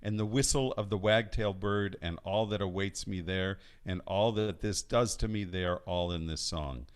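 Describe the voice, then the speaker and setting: A man leading a song, casually introducing and translating it before he sings, in a halting way with many restarts. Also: low-pitched, clear, resonant tone. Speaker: song leader. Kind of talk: casual spoken introduction before singing at a live-streamed study night. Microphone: home setup singing over recorded accompaniment.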